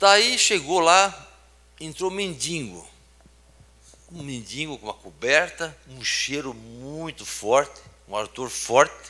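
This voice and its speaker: A man with a fairly high voice speaks very slowly and with lively intonation, his loudness swinging widely between long, frequent pauses over noticeable background noise. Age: 60s. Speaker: lay preacher. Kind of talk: sermon.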